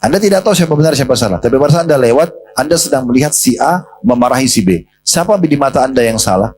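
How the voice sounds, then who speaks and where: A man delivers a sermon at a quick clip, talking to the congregation as if in conversation and acting out the quoted lines of a story. His voice sits at an ordinary middle pitch. A faint hum runs under the recording. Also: expressive, a little mellow, low-quality recording. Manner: conversational, addresses the congregation directly; retells a story with quoted dialogue. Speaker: preacher. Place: mosque.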